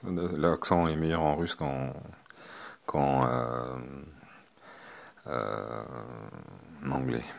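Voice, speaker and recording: A man's voice: a bass voice, fairly even intonation, drawn-out words, gravelly, pauses often. A man from France, a hypnotherapist teaching a course, talking hesitantly with many fillers and restarts. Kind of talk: spoken lesson to students.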